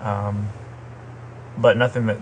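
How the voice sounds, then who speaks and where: A man chatting casually over a call while sick with a sore throat, rambling and hesitant with many pauses. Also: fairly low pitch, little pitch movement, a little hiss or hum, rough recording. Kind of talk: casual chat. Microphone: remote call.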